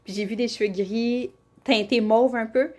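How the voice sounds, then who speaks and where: A woman's voice: fairly high pitch, steady tone, normal speed, a little mellow. Chatty Québécois woman rambling casually. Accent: Québécois French. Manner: chatty and rambling, with many fillers and restarts. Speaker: colouring vlogger. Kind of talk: casual chat showing colouring books.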